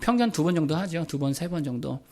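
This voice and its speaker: A middle-aged man delivers a church sermon in a notably high voice. He asks his listeners one rhetorical question after another. When he quotes people, he sinks into a lower, quieter tone. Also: lively intonation, fast talker. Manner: rhetorical questions, drops to a low voice for quoted lines. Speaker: pastor.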